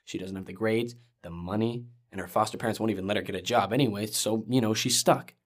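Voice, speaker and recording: Actor as a low, husky, frustrated teenage boy. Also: fast, lightly acted. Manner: casual, exasperated. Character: frustrated, earnest teenage boy fed up with his mother. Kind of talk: dramatic podcast monologue.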